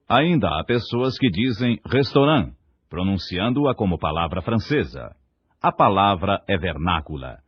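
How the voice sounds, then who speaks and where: A Brazilian man with a lowish, breathy-edged voice narrates a scripted diction lesson. As the teacher, he articulates each syllable carefully and precisely. The recording sounds dull and lo-fi.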